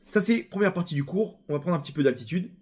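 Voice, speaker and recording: Animated high-voiced man preaching. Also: fast talker, slightly rough. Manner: animated, storytelling, addresses listeners directly. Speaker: rabbi teacher. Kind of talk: sermon-style Torah class.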